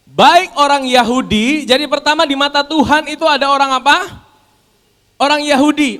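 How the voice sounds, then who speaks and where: A man's voice: very high voice, bright, forceful tone. A man preaching a sermon as pastor, calling the congregation brothers and sisters and posing questions that he answers himself. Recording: long hall reverb.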